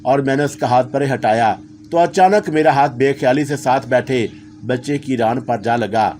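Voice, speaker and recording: A man's voice: medium pitch, darkish tone, a little hiss or hum. A man telling a first-person horror story in a dramatic, scripted narration style.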